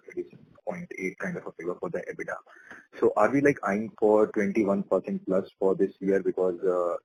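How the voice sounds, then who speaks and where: A man's voice: lowish voice, breathy edge, rough recording. A man asking questions as an analyst on an earnings conference call.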